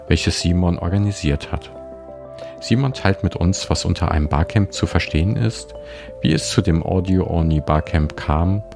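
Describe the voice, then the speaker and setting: A man hosting a podcast interview, with a fairly low voice and faint music underneath. He asks his questions in a friendly, slightly hesitant way. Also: creaky. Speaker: podcast host.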